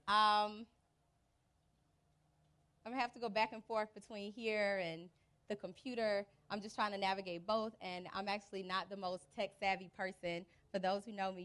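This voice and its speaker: A woman's voice: medium pitch, fairly bright tone. A young adult woman with an American accent, giving an informal, chatty presentation as a teacher coach, speaking into a handheld mic. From United States (Birmingham, Alabama and Cleveland, Ohio). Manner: chatty, casual, colloquial. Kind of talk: informal presentation to a live audience. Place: outdoors under a large event tent. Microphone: handheld mic through PA speakers.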